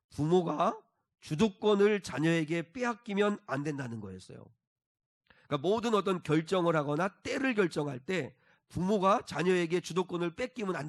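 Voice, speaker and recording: A middle-aged man preaching a sermon as a pastor, building to emphatic peaks and slowing to repeat key phrases. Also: fairly high pitch.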